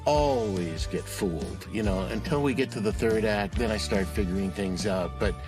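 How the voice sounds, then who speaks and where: A man's voice: on the low side, normal speed, over music, lightly acted, rough recording. A man voicing an earnest, somewhat clueless young leader of a cartoon mystery gang, speaking a little hesitantly.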